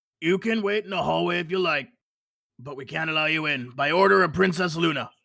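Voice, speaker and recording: A man puts on a raspy character voice at a fairly high pitch. He speaks at a fairly quick pace. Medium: audio drama. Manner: formal, polite.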